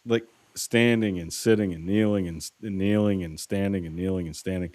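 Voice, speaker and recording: Very low-voiced rambling man, dry sound. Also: steady tone, a little fast, a little mellow, no echo. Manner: rambling, profane storyteller with many fillers. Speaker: podcast co-host. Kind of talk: casual chat.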